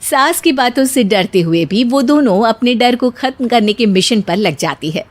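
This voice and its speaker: A woman giving scripted narration for a cartoon story, steady storytelling. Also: on the high side, moderate pace.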